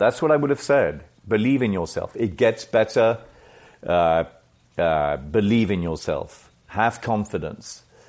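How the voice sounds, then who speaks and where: Someone with an English accent speaks on a very clean recording with a silent background. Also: man. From French-Scottish family, raised partly abroad, educated in British school section. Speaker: actor. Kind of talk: casual interview chat.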